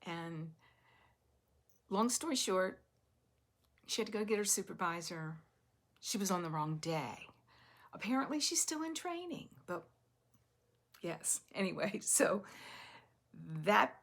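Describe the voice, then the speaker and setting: A woman with a lowish, gravelly voice full of vocal fry chats casually to camera as the host of a knitting podcast. She rambles through everyday stories, interrupting herself and laughing often. She is talking from home. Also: a bit bright. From US East Coast. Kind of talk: casual chatty storytelling to camera.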